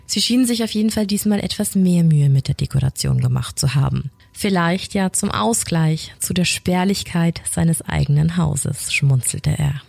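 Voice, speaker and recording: A woman co-host reading a horror story aloud in a slow, dramatic storytelling manner. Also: on the low side, creaky, a little mellow, husky, no room sound. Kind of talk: scripted narration.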